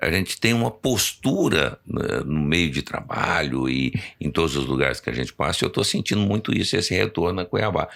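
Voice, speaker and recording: A man's bright, sharp tone with vocal fry, very wide pitch swings and a moderate pace. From interior of São Paulo state, Araçatuba region. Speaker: livestock auctioneer. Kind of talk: casual chat.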